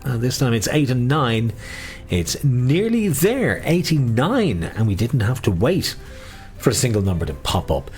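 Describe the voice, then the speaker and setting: A man's voice: mid-range voice, big pitch swings, measured pace, a little mellow, faint music behind. A middle-aged Irish man working as a bingo caller, calling numbers in a sing-song way with repeats and mixing in casual chat.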